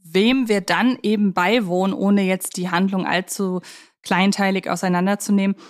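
A woman's voice: mid-range voice, fairly even intonation, normal speed. Female podcast co-host, mid-range voice, reflective and searching in conversational film talk.

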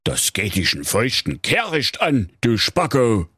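A man voicing a rude male spy disguised as Red Riding Hood, gruff and scornful, with a Saxon accent. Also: medium pitch, wildly swooping pitch, a little slow, bright, forceful tone, no room sound, clean studio sound, voice pushed up, exaggerated voice. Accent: Saxon German.

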